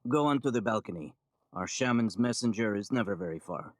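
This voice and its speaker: A man voicing a male tribal guide in a video game, speaking in a deadpan, flat way. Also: fairly low pitch, a little fast, no echo, clean studio sound.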